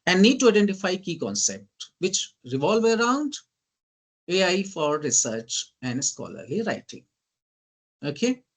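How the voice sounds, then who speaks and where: Higher-voiced Indian English man lecturing. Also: big pitch swings, measured pace. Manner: often asks "right?" and says "ladies and gentlemen"; lists terms in emphatic bursts. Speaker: guest lecturer. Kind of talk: online teaching lecture.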